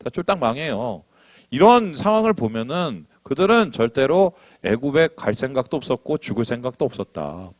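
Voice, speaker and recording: A male pastor preaching a sermon in an animated way, asking the congregation questions and acting out quotes. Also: mid-range voice, moderate pace, no echo.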